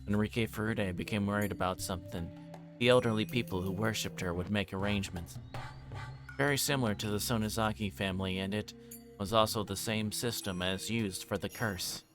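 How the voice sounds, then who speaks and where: A man's voice: lowish voice, steady tone, brisk. A man reading a visual novel aloud on a livestream, narrating in first person and occasionally stumbling over words. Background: game music.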